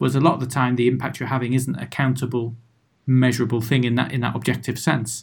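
Here a man with an English accent talks at a very fast pace. His pitch is medium and his voice somewhat breathy. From England. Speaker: podcast host. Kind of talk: interview conversation.

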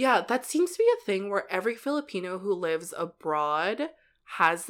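This woman has a normal speaking voice at a medium pitch. She speaks at a moderate pace with lively intonation. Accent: Canadian. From Philippines, raised in Toronto. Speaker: podcast co-host. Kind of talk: casual chat.

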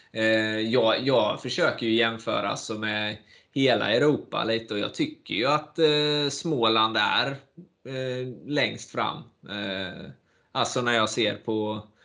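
Talking at a very slow pace, a man of medium pitch keeps his intonation fairly even. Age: 20s. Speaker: podcast host, cutting tool specialist. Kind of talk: casual chat.

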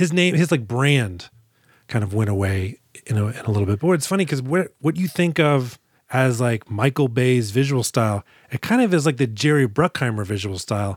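Lively intonation runs through an unremarkable speaking voice. The pace is fairly quick. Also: man, medium pitch for a man, dry, close sound with no echo. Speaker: podcast host. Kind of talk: casual comedic chat. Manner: jokey, conversational.

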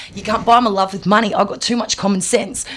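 A woman with an Australian accent and fairly high pitch over noticeable background noise. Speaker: mother and amateur rapper. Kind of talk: interview.

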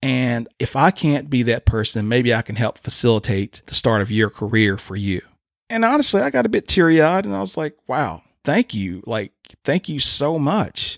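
This man has an unremarkable speaking voice at a medium pitch, with lively intonation and a moderate pace. The recording is very clean and dry, close with no echo and a silent background. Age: 40s. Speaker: podcast host and filmmaker. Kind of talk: storytelling monologue. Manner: casual, conversational.

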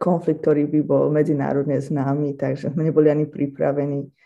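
Monotone and flat, a woman speaks at a very deep, low pitch. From western Slovakia, near Trnava. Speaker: missionary and humanitarian aid worker. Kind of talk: interview.

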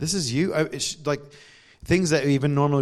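A man's normal speaking voice, fairly high in pitch with ordinary pitch variation, at a fairly quick pace. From California. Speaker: pastor. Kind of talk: sermon.

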